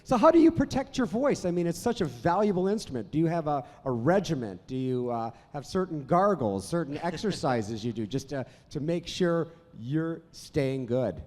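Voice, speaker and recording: Lively higher-voiced man moderating a panel. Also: moderate pace, hardly any pauses, in a large hall. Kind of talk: asking interview questions. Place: convention panel hall.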